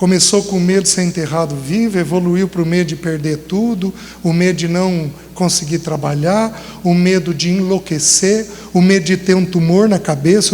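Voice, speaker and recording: A man speaks at a high pitch. The recording has audible room echo and noticeable background noise. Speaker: preacher. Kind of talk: sermon. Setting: women's retreat, audience.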